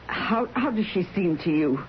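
Nervous nurse, hesitant, apologetic, stammering, radio play acting, slightly noisy muffled recording. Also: female voice, on the low side, animated, a little slow. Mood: nervous, tactful. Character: nervous, tactful private nurse. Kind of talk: 1970s radio drama acting. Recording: muffled, faintly noisy old radio broadcast.

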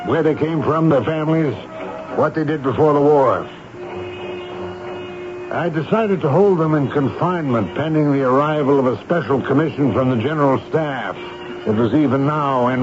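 An actor playing a stern, sardonic army major who interrogates and narrates in a formal, commanding way in a radio drama. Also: male voice, mid-range voice, lightly acted. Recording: dull radio broadcast recording, loud music behind.

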